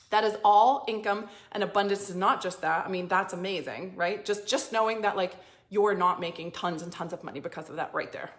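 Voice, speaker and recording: A woman's voice: medium pitch, fairly bright tone. A woman business coach giving a motivational talk, repeating phrases for emphasis and sometimes dropping to a near-whisper.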